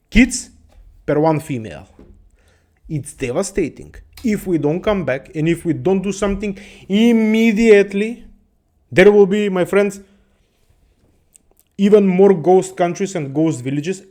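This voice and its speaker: Talking casually to his viewers, a Balkan host with a highish, darkish voice rambles, curses and laughs a lot. He repeatedly calls his listeners his friends.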